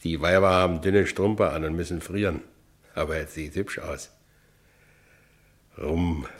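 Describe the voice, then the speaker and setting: A man's voice: deep voice, lightly acted. An actor playing a burly, plain-spoken Berlin working man, an ex-convict narrating his own story in a radio play in short colloquial phrases.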